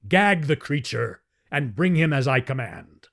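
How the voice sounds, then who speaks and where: A man voicing a raging tyrant alien king who shrieks his orders in slow, drawn-out bursts. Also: medium pitch, big pitch swings, creaky, a bit bright, pitched above the performer's own voice, exaggerated voice. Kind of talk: audiobook character reading.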